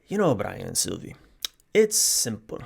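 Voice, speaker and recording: A man voicing a kind old Irish husband, married forty years and gently wise, in an exaggerated, admittedly poor put-on Irish accent. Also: deep voice, wildly swooping pitch, measured pace, creaky, slightly rough, heavily acted. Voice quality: exaggerated, lilting put-on brogue.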